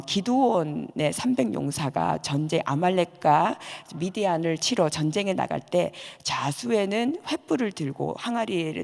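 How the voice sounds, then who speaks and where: A woman pastor preaching a dawn sermon and leading prayer in an earnest, measured way. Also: lowish voice, creaky, a little mellow. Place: church sanctuary. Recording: long reverb of a church hall.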